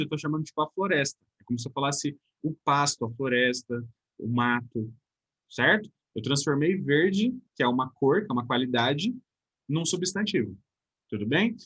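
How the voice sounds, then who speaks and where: A man's voice: fairly high pitch, normal speed, fairly bright tone, husky. A man with a Brazilian Portuguese accent teaching a recorded grammar lesson, explaining step by step and checking in with his students.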